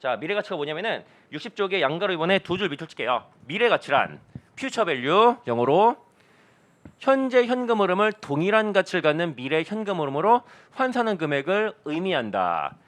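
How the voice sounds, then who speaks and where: A man's voice: sits high, very animated, a little fast, fairly bright tone. A man in his thirties teaching an online accounting lecture, playful and jokey, acting out little quoted scenes. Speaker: accounting instructor.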